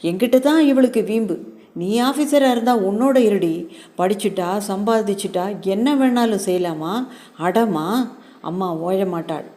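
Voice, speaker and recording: A woman's voice: medium pitch, lively intonation, moderate pace, warm tone, natural voice. A woman voicing a bitter, scolding old mother. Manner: scolding, self-pitying tirade. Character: angry aggrieved older mother, bitter and complaining.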